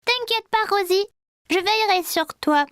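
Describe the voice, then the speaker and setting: A woman's voice: very high-pitched, moderate pace, fairly bright tone. A woman voicing a sweet, eager, impatient little boy in a children's cartoon, with simple childlike phrasing. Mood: caring.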